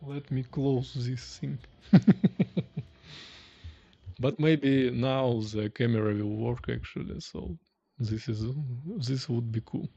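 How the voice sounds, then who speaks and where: A man's voice: medium pitch, takes it slowly, creaky, pauses often, dark tone, slightly rough, muffled recording, soft background music. A man, chatting casually while live-coding and thinking aloud on a stream from a small room. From Russia. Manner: thinking aloud, chatty, reading chat questions. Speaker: streamer, indie developer.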